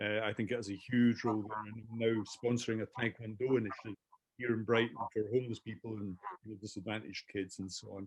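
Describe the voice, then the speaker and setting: Very fast and in a Scottish accent, a man speaks with monotone, flat intonation and big swings in loudness, in a dry, close sound with no echo. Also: fairly low pitch for a man. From Scotland, Glasgow area. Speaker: entrepreneur. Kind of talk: roundtable discussion. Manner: hesitant, many fillers.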